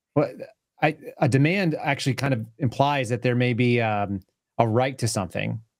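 Here a man talks in an unremarkable speaking voice at a medium pitch. His pace is fairly quick and his pitch variation is ordinary. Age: 40s. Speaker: podcast host, former FBI agent. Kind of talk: interview. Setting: live stream.

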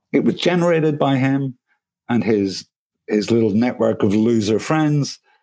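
A dark, mellow tone in a Belfast accent, with lively intonation. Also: man, medium pitch for a man, moderate pace, very even loudness. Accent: Belfast Northern Irish. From Northern Ireland, Belfast. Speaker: novelist and magazine contributor. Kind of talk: interview conversation.

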